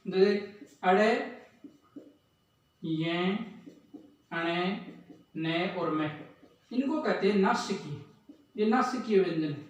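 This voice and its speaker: A man teaching an exam-prep lesson, slowly drilling speech sounds one by one. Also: sits high. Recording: echoey room, far from mic.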